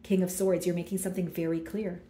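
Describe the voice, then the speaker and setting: Turning over cards one by one, a tarot reader chats easily to the camera, her speech dotted with fillers like "like" and "you know." Her mellow voice is slightly low, and the room lends it a clear echo.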